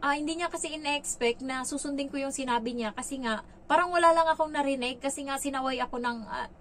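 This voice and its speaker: A woman's voice: high-pitched, a bit bright, slight background noise, low-quality recording. Chatty woman vlogging in a rambling way. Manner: rambling, conversational, many filler pauses. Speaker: domestic helper and vlogger. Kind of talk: casual vlog talk to viewers.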